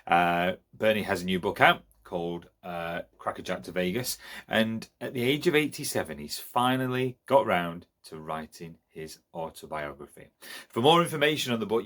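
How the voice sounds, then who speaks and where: A man's voice: low voice, fairly bright tone. A man hosting an interview, enthusiastic and full of praise, with many hesitant fillers. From Lancashire, England. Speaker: host. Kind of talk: casual interview chat.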